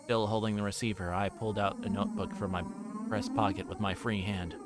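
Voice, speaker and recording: A man's voice: on the low side, flat delivery, a little fast. A man reading visual novel narration aloud on a livestream, sometimes stumbling and rereading words. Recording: clearly noisy background.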